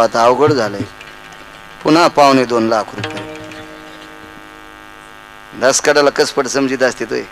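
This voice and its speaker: A man's voice: on the high side, slight background noise, rough recording. A man telling humorous stories in a kirtan sermon, acting out the voices of the people in them. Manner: animated, acts out voices in anecdotes. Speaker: kirtan preacher. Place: devotional gathering, live audience.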